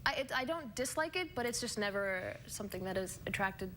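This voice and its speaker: A woman from Portugal, an actress and talk show guest, playful and quick to laugh. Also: medium pitch, expressive, background noise. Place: television studio with audience.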